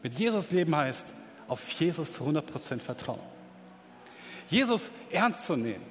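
A man preaching a sermon with emphatic, rising delivery that swings between quiet stretches and excited peaks. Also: a little high, moderate pace, faint music behind. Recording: reverberant hall.

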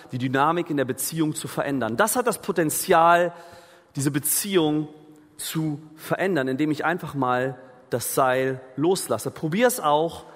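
A man's voice: a little high, fairly bright tone, in a large hall. A man preaching a sermon in an earnest, conversational way, asking the listeners questions. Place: free church hall.

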